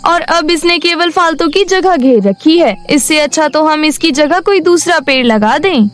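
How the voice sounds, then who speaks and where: A woman's voice: high voice, expressive, moderate pace. A woman voicing a selfish, haughty village elder in a cartoon story, scolding and dismissive. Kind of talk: cartoon moral story voice acting.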